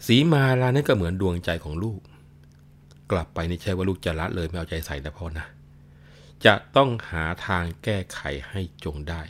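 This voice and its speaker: A man voicing a vengeful aging male warrior who shouts curses at his son. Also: sits low, animated, moderate pace. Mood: reassuring. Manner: shouting curses, crude pronouns.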